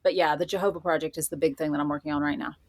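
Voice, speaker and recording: A woman's voice: low voice, fairly even intonation, racing, dry recording. A woman speaking as a guest in a casual interview, reflective and articulate in an informal way. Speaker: guest, horror fiction writer.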